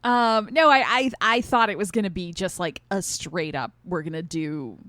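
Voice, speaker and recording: A woman co-hosting a podcast, explaining her opinions in a casual, animated way with lots of "like" and "right?". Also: fairly low pitch, moderate pace, slight background noise. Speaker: podcast co-host. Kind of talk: casual conversational review.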